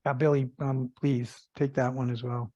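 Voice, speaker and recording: A man's voice: mid-range voice, little pitch movement, moderate pace, a little mellow, no echo, dull audio. A man speaking as a company executive, answering investor questions on an earnings call and repeating phrases for emphasis.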